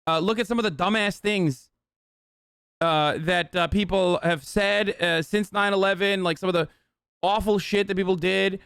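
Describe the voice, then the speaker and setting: A man hosting a live stream, reacting to his chat with heated, profane rants. His voice sits high for a man and comes through smooth and clear. The sound is close and dry. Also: fairly even intonation, normal speed, fairly bright tone, dry recording. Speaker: streamer host.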